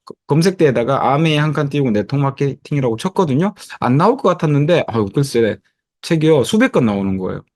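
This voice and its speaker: Man, 50s, motivational speaker, lively pitch, dry close mic, lots of "uh" and "yeah". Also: fast, dry recording. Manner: lively storytelling with many fillers, acting out past dialogue. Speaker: network marketing presenter. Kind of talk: motivational presentation over a video call.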